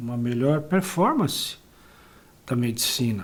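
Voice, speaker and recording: Amid audible room echo, a man speaks very slowly in a somewhat breathy voice with lively intonation. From Brazil, São Paulo. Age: 70s. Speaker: holistic therapist and course instructor. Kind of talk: informal talk to camera.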